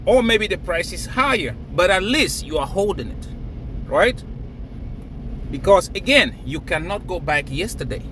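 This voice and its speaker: A man's voice: sits high, lively intonation, unhurried, bright, forceful tone, slight background noise, low-quality recording. A man from Cameroon, raised in Nigeria, talking emphatically to camera and laughing between phrases. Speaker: crypto vlogger. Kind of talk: casual hype monologue to camera.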